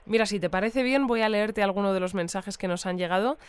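Actress doing polite lady radio host in a sci-fi audio drama, smooth clean voice, dry studio sound, measured and attentive. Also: mid-range voice, no room sound, lightly acted. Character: polite female radio interviewer in a futuristic community. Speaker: interviewer reading listeners' messages. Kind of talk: conversational radio interview, reading messages aloud.

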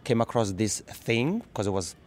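A man from the Italian-speaking part of Switzerland, Italian native speaker with a Swiss Italian accent, chatting as a podcast guest in a lively way, often restarting words. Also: on the low side, moderate pace. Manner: lively, laughs easily, repeats words when restarting. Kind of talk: casual interview.

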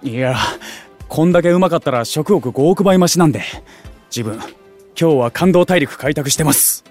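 An actor playing an excitable young otaku food streamer in an audio drama, talking in geeky slang with exaggerated reactions and junior-style politeness. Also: male voice, on the high side, moderate pace, faint music behind. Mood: enthusiastic. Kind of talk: Japanese audio drama acting.

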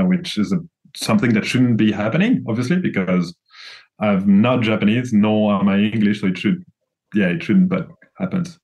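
A man's voice: fairly low pitch, low-quality recording. A young man from France with a French accent, a guest chatting casually, rambling with many restarts and fillers. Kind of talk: casual conversation.

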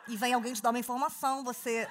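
A woman hosting a comedic interview, teasing her guests with playful, rapid-fire questions. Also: fairly high pitch, level tone, fairly bright tone, a little hiss or hum.

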